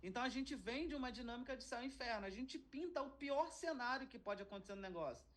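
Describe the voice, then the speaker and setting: A man with a Brazilian accent teaching a sales course, talking in an animated, conversational way and often checking in with his listeners. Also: very high-pitched, fast talker.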